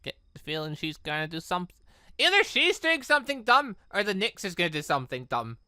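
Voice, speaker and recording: A man hosting a gaming channel, giving animated let's-play commentary with exclaimed reactions. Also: sits high, fairly quick, no echo, studio quality. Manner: animated, exclaiming reactions between read lines. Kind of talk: let's-play commentary, reading game dialogue aloud.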